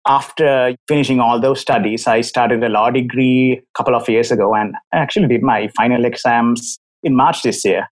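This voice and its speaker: Over a video call, a doctor who also runs a company talks as a guest in a casual interview, telling his story openly and articulately. He's in his 30s, from Sri Lanka, with a Sri Lankan accent, and speaks at a medium pitch in a steady tone at normal speed with few pauses.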